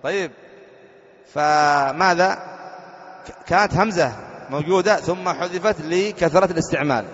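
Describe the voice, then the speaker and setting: A man with a fairly high voice teaches an Arabic grammar lesson as a sheikh, slowly reading a text aloud before explaining it and quizzing his students. The audio has a big-room sound with the highs cut off.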